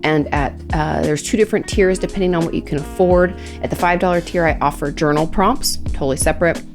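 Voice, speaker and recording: A woman with a stuffy, nasal head cold, hosting a solo podcast as a therapist answering listener questions in a chatty way with fillers and restarts. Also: sits low. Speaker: podcast host, licensed therapist.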